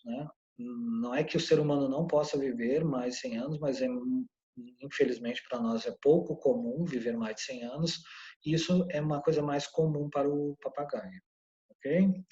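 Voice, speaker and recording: A man's voice: mid-range voice, dark tone, lo-fi sound. Man teaching English. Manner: explains step by step, often checks in with "né?" and "ok?". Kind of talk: recorded online lesson.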